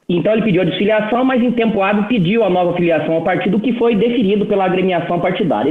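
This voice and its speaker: A man serving as judge rapporteur, reading a formal court report with frequent hesitations and restarts. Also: fairly high pitch. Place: courtroom session. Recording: echoey, phone-like sound.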